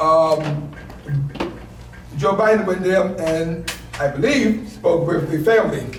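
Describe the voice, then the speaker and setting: A man speaks at a high pitch and very slow pace, with ordinary pitch variation and long, frequent pauses. Audible room echo and noticeable background noise fill the recording. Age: 60s. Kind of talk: political discussion. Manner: repetitive, stammering.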